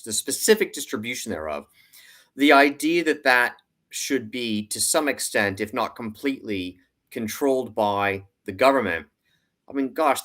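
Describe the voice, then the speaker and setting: Guy doing unscripted interview commentary, really animated pitch swings, emphatic, repeats himself to drive it home. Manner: emphatic, rhetorical questions, repeats points for effect. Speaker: interview guest, economics commentator. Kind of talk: off-the-cuff economic commentary in an interview.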